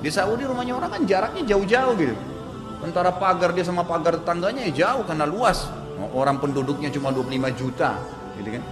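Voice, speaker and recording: Male preacher, casual anecdotal sermon, higher-than-usual voice, roomy hall echo, music bed. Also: animated, quick pace. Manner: conversational, anecdotal, frequent "gitu kan" tags. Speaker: Islamic preacher. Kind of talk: informal sermon. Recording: echoey hall with music behind. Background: background music.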